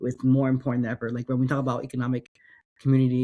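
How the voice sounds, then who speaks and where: A man with a Caribbean accent speaks in a medium pitch. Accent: Caribbean in everyday speech. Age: 30s. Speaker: podcast host and storyteller. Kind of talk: interview conversation. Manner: fast in casual talk.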